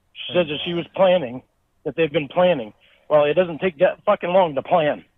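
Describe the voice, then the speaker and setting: The man's high voice moves at a moderate pace, its pitch varying in an ordinary way. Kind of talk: casual chat. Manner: heavy breathing.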